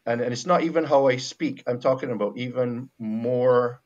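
A man from Barbados with a Bajan accent, speaking as a missionary guest in a casual faith conversation, reflective and halting with many restarts. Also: mid-range voice, a little mellow, muffled recording.

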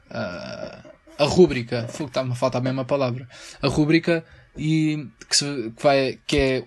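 Young guy from portugal, portuguese accent, just rambling casually on his own podcast, slangy, jumps around. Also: mid-range voice. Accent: European Portuguese. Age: young adult. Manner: rambling and slangy, breaks into mock singing. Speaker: podcast host. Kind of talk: casual solo podcast chat.

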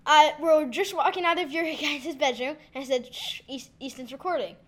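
A woman's voice: sits high, brisk. A teenage girl telling rambling family stories on a casual podcast, often giggling.

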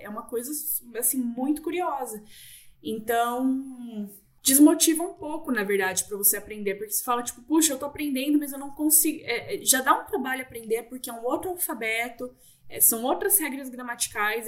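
A woman telling stories as an interview guest, in a chatty, animated way with lots of fillers. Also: on the high side, recorded from a distance. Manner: chatty, animated, frequent fillers and quoted asides. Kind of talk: casual interview storytelling.

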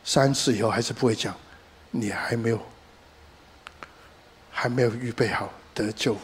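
A middle-aged man preaching from the pulpit, his voice sitting at an ordinary middle pitch. He leans hard on key phrases and slips English words into his sentences. Between points he tells stories in a conversational way. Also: normal speed, slight background noise. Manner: code-switches with English words, animated emphasis, storytelling asides. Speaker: pastor. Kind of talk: sermon.

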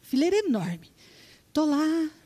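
An older woman from Brazil with a high voice tells a religious testimony. She is a retired schoolteacher and tells it as an animated story, repeating words and acting out the dialogue. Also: takes it slowly.

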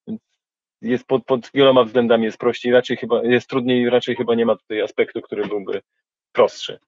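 A man's voice: mid-range voice, fairly even intonation, moderate pace, darkish tone, no room sound, muffled recording. A man, a rapper, answering interview questions in a reflective, colloquial way.

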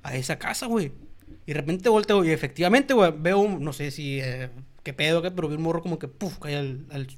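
Fast-talking Mexican man telling a story. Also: fairly high pitch. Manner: rapid slangy storytelling, acts out the people he quotes. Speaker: podcast host. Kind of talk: casual storytelling chat.

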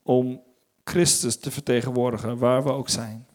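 A man's voice: mid-range voice, fairly even intonation, normal speed, darkish tone. A man interpreting a sermon live, relaying each phrase with occasional hesitations and restarts. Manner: hesitant fillers and restarts while translating.

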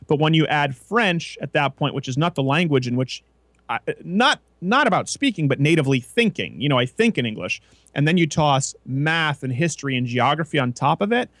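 A man's voice: fairly high pitch, lively intonation, brisk, fairly bright tone, dry recording, clean studio sound. Opinionated male talk radio host. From Canada. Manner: opinionated, talks in long run-on explanations with restarts. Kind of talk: casual radio talk show chat.

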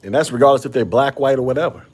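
Husky man with a slight stutter. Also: medium pitch, racing, darkish tone. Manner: slight stutter, frequent restarts. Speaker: podcast host. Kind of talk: casual podcast chat. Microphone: podcast microphone.

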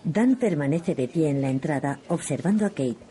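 A woman giving calm, neutral audio description of a film scene. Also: low-pitched, normal speed. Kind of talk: scripted audio description narration.

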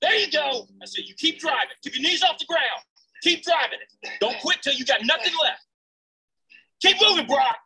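A man's voice: very high voice, lively intonation, moderate pace, pushed and bright, slight background noise, heavily acted, poor audio. An actor playing a demanding American male football coach, urging players on in commanding, repetitive gym bro bursts. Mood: fierce, shouting. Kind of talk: film drama, gym bro motivational coaching. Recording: film soundtrack with faint music.

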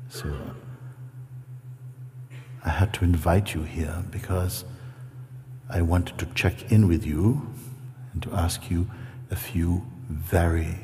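A man from Jamaica with a Jamaican accent, a spiritual teacher leading a guided meditation in a soft, hushed voice that often sinks into whispers, in a room with other listeners. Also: low voice, fairly even intonation, takes it slowly, pauses often. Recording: reverberant hall with faint hiss.

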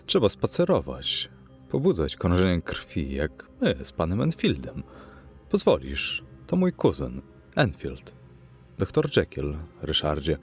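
Grave old lawyer in a storybook reading, earnest and troubled, a man doing the voice, very deep tone with lively, rising and falling intonation. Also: a little slow, soft background music, exaggerated voice. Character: gloomy elderly male lawyer, anxious and earnest.

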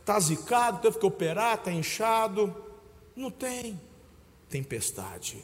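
A Brazilian man preaching in a high voice, heard in a church hall with a long reverb. He tells stories and calls his listeners brother, dropping to a hush and then rising to shouts. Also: very animated, takes it slowly. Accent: Brazilian Portuguese. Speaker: pastor. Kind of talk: sermon.

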